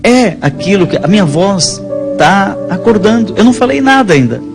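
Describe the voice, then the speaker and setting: A man with a Brazilian accent, a priest, talking conversationally about faith and telling stories in a halting, rambling way. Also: high-pitched, very animated, gravelly. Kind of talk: conversational religious storytelling. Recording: music playing behind the voice.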